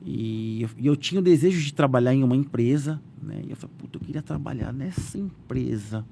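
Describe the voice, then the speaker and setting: A man's voice: brisk, creaky, a little hiss or hum. Brazilian man telling stories animatedly. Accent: Brazilian Portuguese. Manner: animated, voices quotes with raised pitch, frequent "né?" fillers. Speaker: businessman guest. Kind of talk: casual storytelling interview.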